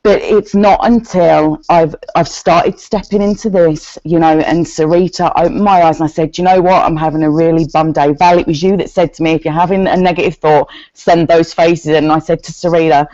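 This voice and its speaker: A deep-voiced woman speaks with candor and conviction about her own life. She acts out what others said to her in animated bursts. The recording is dry and a little dull. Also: a little fast, few pauses, no room sound. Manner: earnest, quotes others' words in lively bursts. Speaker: group member sharing her story. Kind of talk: candid personal testimony.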